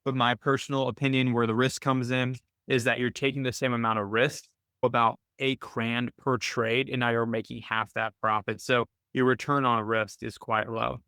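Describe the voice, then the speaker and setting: A man's voice: mid-range voice, level tone, normal speed, bright, forceful tone, clear, resonant tone, no echo. A man hosting a weekly live call, talking casually and thinking aloud with frequent "right?" tags and small restarts, close to his mic. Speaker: host of a weekly trading call.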